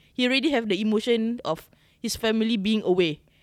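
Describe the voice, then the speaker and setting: A woman with a plain, everyday voice, fairly high in pitch, at a fairly quick pace with ordinary pitch variation. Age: 20s. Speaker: podcast guest. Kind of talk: casual chat.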